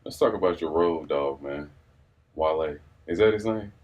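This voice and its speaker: A man's voice: a bass voice, moderate pace, a little mellow. A man interviewing a guest in a laid-back, casual way, prompting him with short questions and backchannels.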